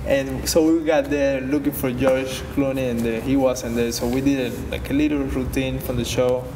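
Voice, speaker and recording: A man with a Spanish accent talks at a moderate pace and medium pitch in a monotone, flat intonation, with hardly any pauses, audible room echo, and noticeable background noise. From Cuba. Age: 20s. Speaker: fitness model and dancer. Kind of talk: interview.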